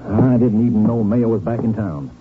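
An actor playing an earnest, folksy, plain-spoken small-town sheriff in a 1950s radio drama. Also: male voice, lowish voice, moderate pace, lightly acted. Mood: earnest, sure. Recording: muffled, noisy 1950s radio recording.

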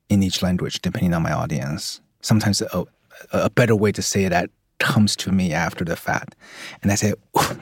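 A man from Taiwan, a native Mandarin speaker, talking thoughtfully in a measured way as an audio journalist in an interview. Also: deep voice, no echo, clean studio sound. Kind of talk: reflective interview talk.

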